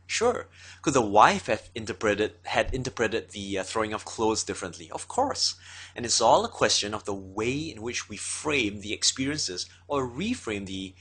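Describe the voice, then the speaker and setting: A man teaches in a steady lecturing manner, often pausing on fillers as he works through his points. His voice sits on the lower side but carries a bright, forceful edge. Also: slightly rough. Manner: steady explaining with frequent fillers. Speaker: instructor. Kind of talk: explanatory lecture.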